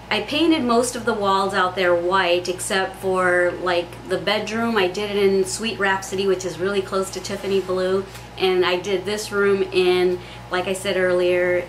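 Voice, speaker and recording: Woman, 40s, casual home tour vlog, rambling and chatty, roomy echo, faint hiss. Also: medium pitch. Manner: chatty, rambling, with many ums. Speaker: craft vlogger. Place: small pink bedroom with hard walls. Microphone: camera mic on a tripod. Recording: echoey room, faint background hiss.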